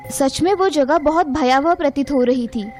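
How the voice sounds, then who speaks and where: Female storyteller, high voice, dramatic scripted narration over soft music. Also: moderate pace.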